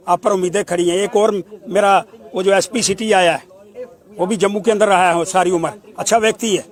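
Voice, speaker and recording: A man delivering an impassioned protest address in a forceful, demanding, declamatory way. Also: high-pitched. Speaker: protest speaker.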